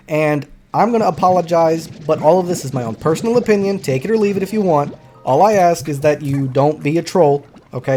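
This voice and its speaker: A man with a stuffy cold, narrating a sarcastic, apologetic video game review over soft background music. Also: on the high side.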